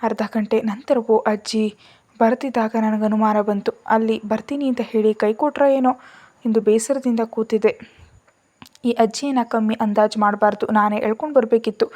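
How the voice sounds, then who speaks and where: A woman narrating a first-person romance story aloud, with a lively, expressive reading. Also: a little high, normal speed.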